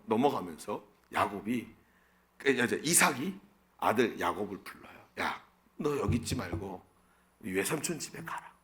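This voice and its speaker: A man's voice: medium pitch, a bit bright. A middle-aged male pastor preaching a sermon, asking the congregation questions and answering them himself.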